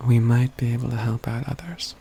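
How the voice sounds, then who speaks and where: A man playing a calm, courtly mage companion in a soft-spoken ASMR fantasy roleplay, with measured, halting phrases that often drop to a whisper. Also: mid-range voice, creaky, slight background noise, close to an everyday voice. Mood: calm, deliberate.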